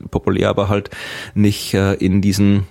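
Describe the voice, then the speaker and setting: A man's voice: fairly low pitch, monotone, normal speed, gravelly, dark tone, dry recording. A man in casual chat, hesitant with many fillers and dry jokes.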